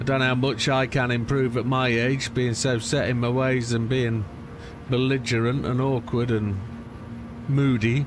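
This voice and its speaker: A man with a medium pitch speaks at a fairly slow pace, with long, frequent pauses, fairly even intonation and very even loudness. Noticeable background noise and audible room echo are present. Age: 60s. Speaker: sim racing streamer. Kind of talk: live gaming commentary. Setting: livestream.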